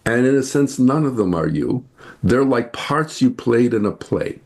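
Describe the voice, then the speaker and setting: A man from the United States, a guest in an interview, earnestly explaining ideas and slowing down to stress his points. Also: mid-range voice, expressive, darkish tone. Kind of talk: spiritual interview talk.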